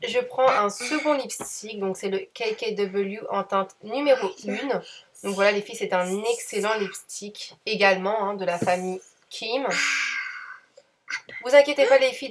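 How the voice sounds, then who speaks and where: Chatty and enthusiastic, a young woman voices over her makeup tutorial, addressing viewers as "girls." This beauty vlogger has a fairly high, slightly bright voice and talks at a normal pace.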